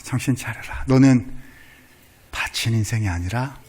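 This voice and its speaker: A man voicing the Lord as a stern male figure who shouts a sudden rebuke at a servant, then drops to a hushed tone. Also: mid-range voice, a little slow, slight background noise, close to an everyday voice.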